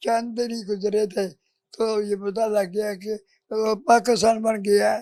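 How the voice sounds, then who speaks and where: The voice belongs to a man and sits at a high pitch with a dark, mellow tone. His intonation is monotone and flat. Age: 80s+. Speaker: independence movement veteran. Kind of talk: interview answer.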